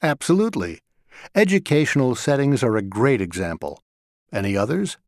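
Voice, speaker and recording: A measured classroom lecturer. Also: male voice, medium pitch, very animated, no echo, clean studio sound. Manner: measured, clear explanatory delivery. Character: male lecturer talking to a class.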